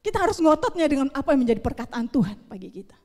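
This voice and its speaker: A woman preaching a sermon at a youth service, swinging between loud urging and hushed, near-whispered prayer. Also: sits high, big pitch swings, very fast, in a large hall.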